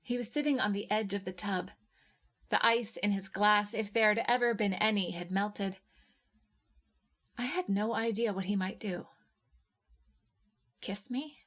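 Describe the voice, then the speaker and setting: A woman narrating a first-person literary short story in a measured, expressive way with deliberate pauses. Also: mid-range voice.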